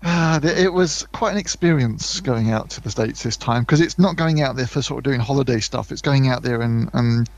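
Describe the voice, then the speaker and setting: A British man chats on a podcast, wandering through a story with plenty of "ums" and false starts. His voice has a gravelly, fry-laden edge. The sound is dry and close, with no room around it. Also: mid-range voice, normal speed, hardly any pauses, dry recording, muffled recording. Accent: British English. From United Kingdom. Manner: rambling, many fillers and restarts; mimics voices for anecdotes. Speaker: podcast co-host. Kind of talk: casual chat.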